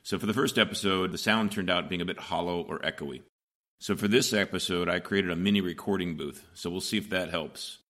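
Speaking from a small recording booth at home, this middle-aged solo podcast host has a raspy, hoarse voice that is low-pitched yet fairly bright in tone. He moves briskly, laying out explanations plainly and step by step.

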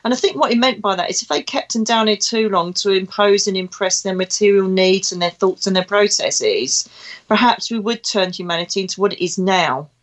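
A woman with an Essex accent speaking as a podcast host in a conversational, emphatic spiritual monologue. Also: medium pitch. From Essex, England. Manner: chatty and emphatic, with rhetorical questions. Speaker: podcast host and psychic medium.

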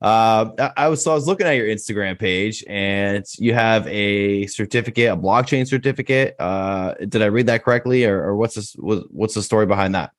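Male podcast host, low-pitched, friendly, rambling questions, dry close sound. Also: a little fast, hardly any pauses, dry recording. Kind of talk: casual interview chat.

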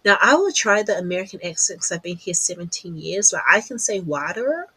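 A woman's voice: lowish voice, lively intonation, brisk, sharp tone, breathy edge. A woman with a New Zealand accent, chatting casually to camera from her home office as a podcast host, laughing at herself often.

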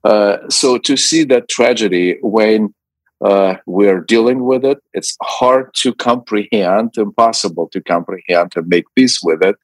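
Man, middle-aged, deep voice, dry close sound, halting interview answers. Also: no room sound, rough recording. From Ukraine. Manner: hesitant, many fillers and restarts. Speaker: ministry president, guest. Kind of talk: radio interview.

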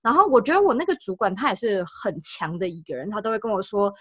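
A woman, speaking as an interview guest. She lays out practical advice step by step in a relaxed, chatty way. Her voice sits at a medium pitch and is recorded close and dry. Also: fast talker, husky, no echo. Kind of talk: casual interview chat.

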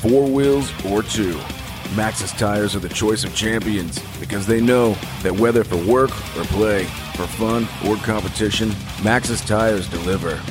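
A man reads a scripted ad in a steady, measured announcer style. His voice sits on the low side. Clear plucked guitar music plays behind him. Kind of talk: scripted radio ad read.

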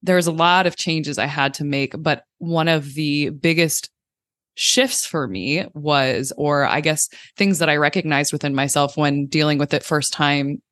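A woman hosting a podcast interview, chatty and self-deprecating with quick asides. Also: low voice, fairly bright tone, no echo, studio quality. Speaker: podcast host.

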